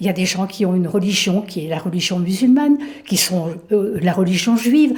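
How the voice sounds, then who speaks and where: Noticeable background noise sits under this woman's voice. She talks at a fairly slow pace with lively intonation. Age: 80s+. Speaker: nativity scene collector. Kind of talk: interview. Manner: hesitant, many fillers.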